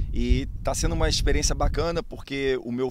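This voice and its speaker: A man speaks at a fairly quick pace, the sound dry with no echo but with noticeable background noise. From Rio de Janeiro state, São Gonçalo/Niterói; Rio de Janeiro state, Brazil. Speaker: football fitness coach. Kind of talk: casual interview. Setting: outdoors at training ground. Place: stadium. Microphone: handheld.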